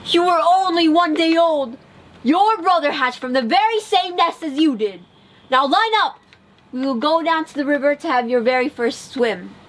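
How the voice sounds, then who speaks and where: A woman's voice: high-pitched, moderate pace, pitched above the performer's own voice, lightly acted, rough recording. A woman voicing a loving mother duck who is firm with her ducklings. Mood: stern. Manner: motherly, stern when scolding.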